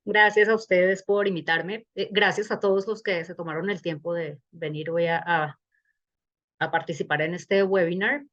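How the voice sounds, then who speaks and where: A woman's voice: lowish voice, fairly even intonation, moderate pace, a bit bright, dull audio. Colombian woman lecturing over a video call. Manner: engaged, conversational, posing rhetorical questions. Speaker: bioethics lecturer. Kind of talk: webinar lecture.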